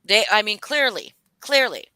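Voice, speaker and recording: A woman hosting a casual chat, animated and blunt, swearing freely. Her voice is bright and a little tense. It sounds close and dry, with no room behind it. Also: medium pitch, moderate pace, clean tone, no room sound. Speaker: host.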